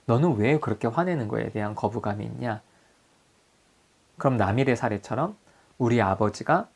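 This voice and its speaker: A man's voice: medium pitch, vocal fry. A man giving a psychology lecture as a group counselor, putting questions to his audience. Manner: animated, asks the audience questions.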